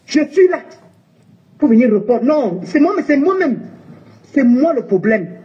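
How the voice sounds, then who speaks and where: A woman's voice: high-pitched, sing-song, a little slow, dark tone, muffled recording. A woman ranting indignantly with sarcastic rhetorical questions in a live video. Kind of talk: heated live video rant.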